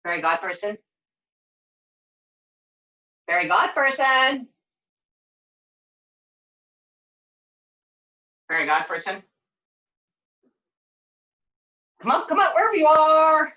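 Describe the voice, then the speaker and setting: A woman's voice: sits high, sing-song, fairly quick, pushed and bright, lo-fi sound, pitched above the performer's own voice, heavily acted. A woman voicing a dramatic, whiny, naive young servant girl in a puppet show, flustered and repeating herself. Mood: frustrated. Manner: melodramatic, repetitive, flustered.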